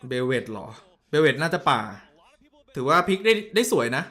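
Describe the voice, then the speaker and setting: A man streaming himself watching a match, commenting casually in a blunt, excitable way with crude slang and answering viewer messages. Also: a little high, moderate pace.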